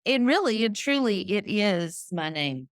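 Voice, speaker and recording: A woman's voice: medium pitch, sing-song, measured pace, no echo, studio quality. A woman from Texas, a guest author chatting casually in an interview over a video call.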